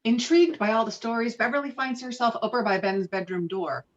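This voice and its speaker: Narrating stage directions at an online table read, this woman speaks briskly in a slightly high voice. The video call audio sounds dull and lo-fi.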